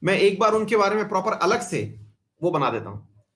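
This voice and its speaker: This online exam-prep history teacher has a high-pitched, very animated voice with a slightly bright tone, delivered at normal speed. He keeps things chatty, asking his students questions, drifting off into asides and slipping English terms into what he says.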